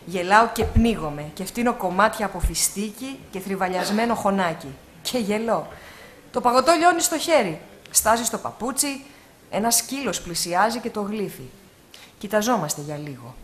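A woman reading a literary short story aloud at a live event, in an expressive, measured way with pauses. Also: mid-range voice. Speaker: reader at an award ceremony. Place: live event before an audience.

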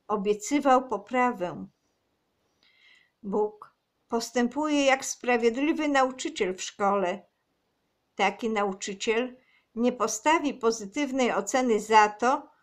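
Woman reading a religious book out loud, slow and careful, kinda high voice. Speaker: channel host reading a book aloud.

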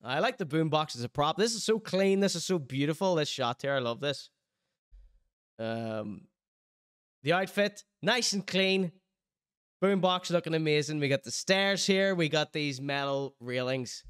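A man's voice: a little high, animated, a little slow, a bit bright, clean tone. A man, reacting live on stream with playful hype-man banter and mock-serious critique. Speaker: streamer reacting to a music video. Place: indoor streaming room.

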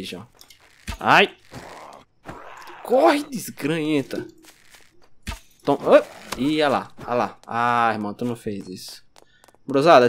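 Excitable Brazilian gamer man, lively voice. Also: mid-range voice, slight background noise. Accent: Brazilian Portuguese. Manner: excitable, yelps and talks to zombies. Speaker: gameplay streamer. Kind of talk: casual gameplay commentary.

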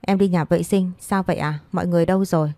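A woman reading a sharp-tongued young girlfriend. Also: on the low side, steady tone, no room sound, lightly acted. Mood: sassy. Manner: scolding, quick retorts.

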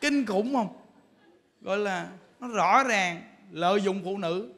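High bright-voiced monk. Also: male voice, slow, slight background noise. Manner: humorous storytelling, laughs while talking. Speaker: Buddhist monk giving a Dharma talk. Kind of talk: sermon. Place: temple lecture hall. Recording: long hall reverb.

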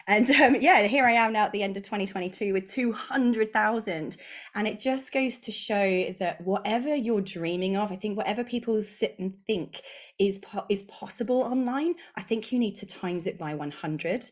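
A woman's voice: medium pitch, normal speed. An enthusiastic woman in her thirties with an English accent, chatting as a guest on a podcast over a video call from her home office. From England. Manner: bubbly, enthusiastic, gestures a lot. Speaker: guest, course creator. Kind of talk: casual podcast interview. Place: home office with bookshelves, indoors.

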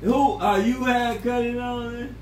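A man chatting casually in a relaxed, drawling way while he sits in an outdoor hot tub at night, with a whoop now and then. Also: very high-pitched, measured pace, a little hiss or hum. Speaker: vlogger. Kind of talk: casual chat. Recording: far from the mic, echoey, loud water jets. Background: bubbling water.

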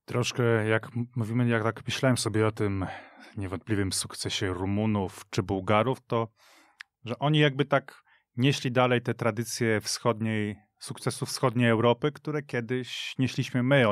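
A man's voice: on the low side, normal speed, dry recording, studio quality. A man giving discursive, thoughtful, unscripted commentary as a panelist in a sports discussion. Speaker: podcast panelist.

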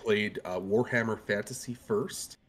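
A man's voice: fairly low pitch, fairly even intonation, a little slow, a crowd in the background. A man on a headset, a guest chatting about his podcast and games. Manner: chatty, plugging his show. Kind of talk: casual chat.

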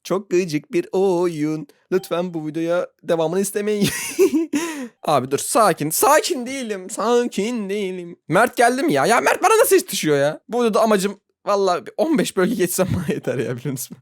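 This Roblox gameplay commentary comes from an excitable YouTuber working through a frustrating level, his very lively voice ranging from low mutters to high squeals at a brisk clip. Self-mocking and chatty, he speaks straight to viewers and laughs a lot. The audio is close and dry, with no room sound.

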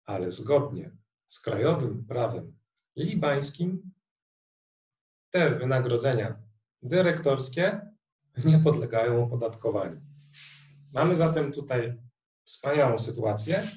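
A middle-aged man giving a recorded online lecture on tax law, explaining a worked example step by step in a measured way. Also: mid-range voice, expressive, darkish tone. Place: room indoors. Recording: roomy, distant webcam sound.

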